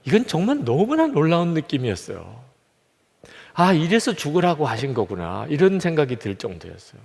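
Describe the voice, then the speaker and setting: An older man, a pastor, preaching a heartfelt sermon, his voice rising loud and dropping to a near whisper. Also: fairly high pitch, huge pitch swings, fairly quick, creaky, husky. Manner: emotional testimony, swings from loud to near whisper. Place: church sanctuary. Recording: church hall reverb.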